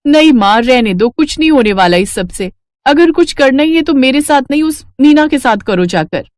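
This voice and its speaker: A woman's voice: high voice, expressive, moderate pace, a little mellow, no room sound. A woman playing a spoiled, jealous young daughter in a fairy tale, complaining in a petulant, dramatic way. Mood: whiny, resentful. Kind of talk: acted dialogue in a Hindi audio fairy tale.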